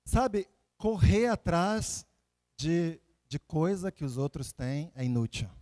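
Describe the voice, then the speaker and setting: Speaking slowly with lively intonation, a male preacher from Salvador, Bahia, Brazil, has a notably high-pitched but mellow voice. His sermon is conversational, built on personal stories and scripture readings, with repeated phrases and rhetorical questions.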